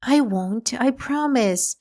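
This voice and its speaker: A woman voicing a polite, curious young girl in a storybook, speaking gently and earnestly. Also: a little high, animated, slow pace.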